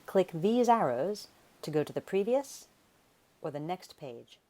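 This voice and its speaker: A woman reading scripted educational narration in a measured, instructional way. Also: lowish voice, big pitch swings, warm tone. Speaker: voiceover artist and presenter.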